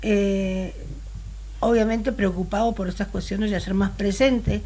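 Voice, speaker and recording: A woman in her sixties, born in Spain, talking as an interview guest in a relaxed, thoughtful way and pausing to search for her words. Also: medium pitch, slight background noise.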